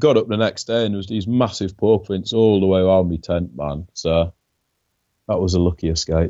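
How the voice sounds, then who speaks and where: A man with a Yorkshire accent, very deep and low in pitch, at a moderate pace with ordinary pitch variation. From Yorkshire, England. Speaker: long-distance hiker. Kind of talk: casual interview chat.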